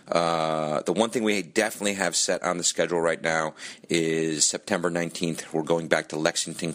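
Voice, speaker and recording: A man with a very low voice hosts a podcast, rambling through plugs with plenty of ums and uhs. His voice is strained and nearly gone after a run of shows. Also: fairly bright tone. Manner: rambling, many fillers. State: losing his voice. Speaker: podcast host. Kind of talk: casual podcast intro and plugs.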